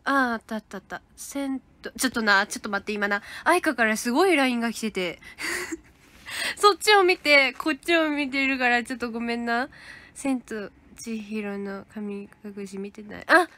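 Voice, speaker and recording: A woman's voice: on the high side, fairly quick, bright, forceful tone. A young woman with a Kansai accent, chatting casually and giggling as she reads fan comments on a livestream. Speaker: idol livestreaming to fans.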